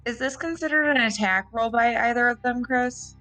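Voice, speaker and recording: A woman's voice: fairly high pitch, normal speed, pushed and bright, no room sound, soft background music, rough recording. A woman playing a tabletop roleplaying game, casually asking about rules and describing her character's moves.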